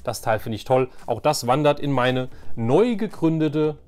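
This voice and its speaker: A man's voice: medium pitch, expressive, unhurried, darkish tone, faint music behind. Chatty man hosting a collector's vlog. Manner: chatty, enthusiastic. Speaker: YouTube toy collector, host. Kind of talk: casual chat, showing collection to viewers.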